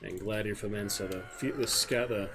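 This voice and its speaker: A man giving casual, low-key gameplay commentary, musing to himself over game sounds. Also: fairly even intonation, a little fast. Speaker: gamer commentating own gameplay. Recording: clear game noise behind voice. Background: video game sounds.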